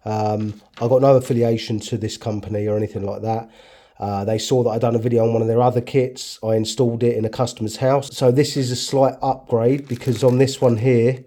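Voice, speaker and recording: A man's voice: medium pitch, dark tone. Blunt tradesman with a cold. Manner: blunt, ranty, swears casually. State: has a cold. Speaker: heating engineer. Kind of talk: casual work vlog. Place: house loft. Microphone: phone camera.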